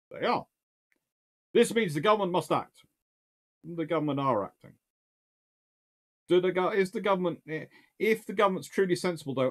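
A British man in his thirties, talking casually about history and politics in a small study, rambling with many restarts. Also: medium pitch. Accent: British English. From United Kingdom. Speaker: naval historian answering viewer questions. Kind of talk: casual explanatory talk. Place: small study lined with bookshelves, indoors. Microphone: webcam-style framing at desk.

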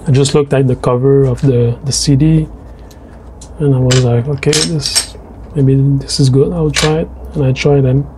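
A native French speaker with a French Canadian accent narrates a drawing video, chatting casually about his drawing and his tastes. His mid-range voice has fairly even intonation and a moderate pace, and he's hesitant, often restarting. Background noise is audible.

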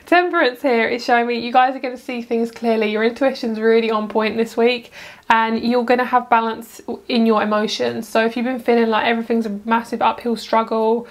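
A chatty woman with a slightly high voice reads tarot cards at home. She rambles cheerfully, stops herself mid-thought and wanders into side comments before getting back on track. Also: fairly even intonation, a little fast. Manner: chatty, rambling, self-interrupting with asides. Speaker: tarot reader. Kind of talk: casual pick-a-card tarot reading.

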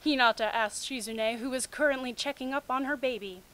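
A woman's voice: high-pitched, a little fast, fairly bright tone, rough recording. A young adult woman hosting a mocking read-aloud of fan fiction, with sarcastic, incredulous asides. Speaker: host of a comic fan fiction reading series.

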